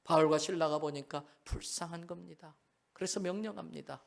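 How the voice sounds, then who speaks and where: A man's voice: a little high, brisk, creaky. Male pastor preaching with swinging intensity. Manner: dynamic, shifts between hushed and loud. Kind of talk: sermon.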